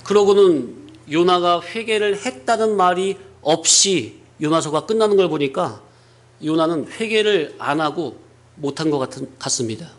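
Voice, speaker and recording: Man, pastor, sermon, lively, rhetorical questions, high voice. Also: moderate pace. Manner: animated, rhetorical questions, chuckling.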